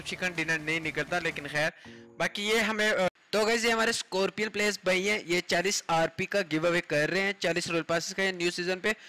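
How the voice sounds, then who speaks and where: A man's voice: high-pitched, bright, forceful tone. A man giving casual gameplay commentary in a voice-over. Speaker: gaming video creator. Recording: music bed under voice. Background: background music.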